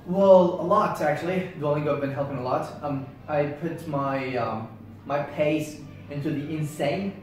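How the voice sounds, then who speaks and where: Upbeat man. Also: a little high. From Yemen. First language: Arabic. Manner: upbeat, laughs easily, quick bursts. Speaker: co-host. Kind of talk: casual chat. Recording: echoey room, distant mic, faint music.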